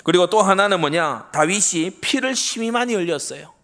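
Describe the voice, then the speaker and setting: Man, middle-aged, pastor, sermon, slightly high voice, emphatic, rhetorical questions. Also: lively intonation, moderate pace, bright, forceful tone.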